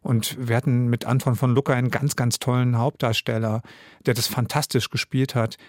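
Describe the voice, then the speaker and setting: A German man in his fifties, a radio drama director and author, answering interview questions thoughtfully with frequent pauses and restarts. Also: mid-range voice, flat delivery, dry recording, studio quality. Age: 50s. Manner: thoughtful, many hesitations and restarts.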